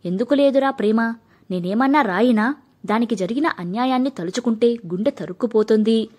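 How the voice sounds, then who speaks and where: A woman voicing a stern middle-aged mother who is proud and fierce about family honour, talking in a sharp, scolding way. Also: fairly high pitch, a little fast, lightly acted. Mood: pained, firm. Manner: sharp and scolding, softening into grief.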